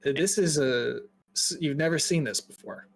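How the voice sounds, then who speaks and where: A man's voice: on the high side, normal speed, gravelly. A man narrating a tabletop game as game master, describing scenes loosely with many fillers.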